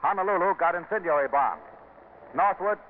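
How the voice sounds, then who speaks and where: An old newsreel-style broadcast of a male wire reporter under fire, dictating his report in urgent, clipped phrases. His fairly high voice comes through thin and phone-like, trailing a long reverb. It has the feel of 1940s radio drama acting. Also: moderate pace, a little hiss or hum. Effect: old newsreel-style broadcast sound. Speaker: news reporter phoning in a bombing report.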